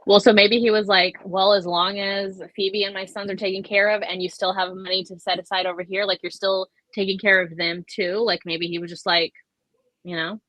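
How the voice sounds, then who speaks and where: Woman, bright crisp-edged tone, dry recording, casual book discussion, chatty, filler-heavy. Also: medium pitch, flat delivery, normal speed, no echo, low-quality recording. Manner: chatty, filler-heavy, acts out imagined dialogue. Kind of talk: casual book club chat.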